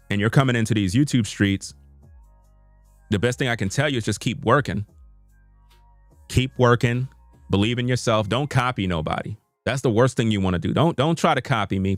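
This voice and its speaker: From a room at home, a male YouTuber talks to viewers over an unscripted live stream at his computer, his voice medium-pitched with no room sound. He comes across as earnest and repetitive, peppering his speech with casual slang.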